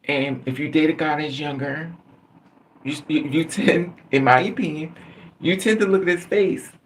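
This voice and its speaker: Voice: medium pitch, normal speed, a little hiss or hum. A middle-aged livestream host chatting casually and candidly with viewers, laughing often and calling on them by name.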